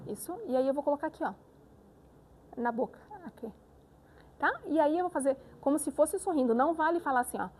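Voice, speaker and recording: A woman speech therapist giving a live lecture with voice exercises, animated and demonstrative, often checking in with the audience. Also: sits high, brisk, pauses often, slight background noise.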